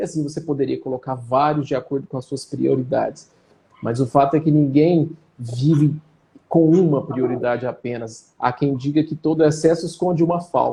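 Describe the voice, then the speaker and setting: Speaking at a moderate pace with a Brazilian accent, a man has a fairly high pitch, a dark, mellow tone, a somewhat breathy quality and fairly even intonation. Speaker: physician and lawyer, author. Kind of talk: interview conversation.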